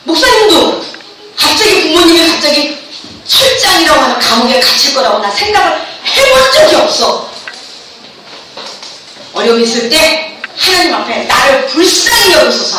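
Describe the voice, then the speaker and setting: A woman's voice: high-pitched, big pitch swings, fairly quick, pauses often. A middle-aged woman pastor preaching fervently to students, having them repeat after her. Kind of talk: sermon to students at a camp. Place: large echoey hall. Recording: echoey hall, distant mic, background noise.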